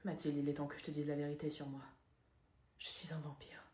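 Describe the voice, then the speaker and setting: A woman voicing a brooding young male vampire in a comedy sketch, low and half-whispered. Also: little pitch movement, brisk, dark tone, lightly acted. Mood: solemn confession. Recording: roomy echo.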